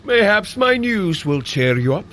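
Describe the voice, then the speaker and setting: An actor playing a heroic, good-humoured thunder god in an audio drama, speaking in a grand, deliberate manner. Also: male voice, sits high, sing-song, a bit bright, heavily acted. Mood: playful. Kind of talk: scripted audio drama acting.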